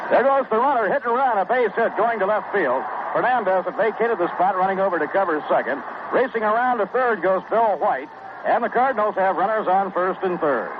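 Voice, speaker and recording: Reading stats between pitches, a male play-by-play man covers a baseball game on the radio in a brisk, even tone. The audio has the tinny, noisy character of a 1960s AM broadcast.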